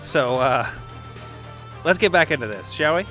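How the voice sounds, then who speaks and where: A man's voice: on the high side, lively intonation, measured pace, sharp tone, soft background music. A man who hosts and plays on a podcast, talking in a chummy, jokey, casual way. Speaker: podcast host and player.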